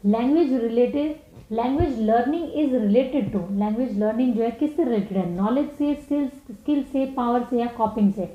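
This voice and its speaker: A woman with an Indian accent, a teacher working through exam questions, reading each one out slowly and then explaining it quickly. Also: a little high. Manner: reads English slowly, explains fast in Hindi. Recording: echoey dull room sound.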